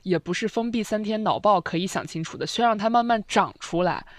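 Woman podcast co-host, rapid earnest chat, dry close sound. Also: mid-range voice, no room sound. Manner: fast, earnest, reflective. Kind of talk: casual chat.

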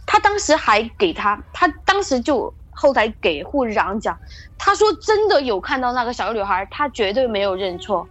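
A woman's voice: a little high, big pitch swings, normal speed, fairly bright tone, dry recording. A woman casually telling a hospital ghost story in a rambling way, with many restarts and fillers. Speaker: guest storyteller.

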